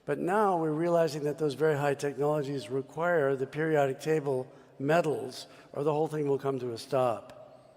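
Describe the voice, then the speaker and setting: This panelist, a mining executive from the United States, has a slightly high, steady, a little mellow voice at normal speed. In a panel discussion in a big conference hall, he speaks expansively and emphatically, speech-like, amid long reverb.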